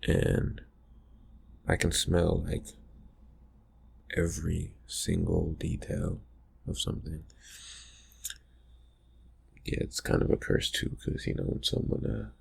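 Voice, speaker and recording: A man playing a brooding, distracted vampire friend in an ASMR roleplay, murmuring in halting, husky phrases that trail off. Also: completely flat delivery, full character voice. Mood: wry, musing. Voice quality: breathy, husky, gravelly low murmur. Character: brooding, distracted young male vampire friend, slyly teasing. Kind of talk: ASMR roleplay, improvised soft talk to the listener.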